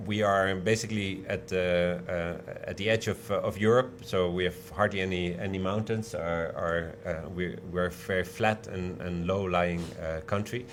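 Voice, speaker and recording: A man from the Netherlands with a Dutch accent, explaining things as an interview guest in a halting, hesitant way. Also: low voice, fairly even intonation, slight background noise. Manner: halting, frequent drawn-out hesitations.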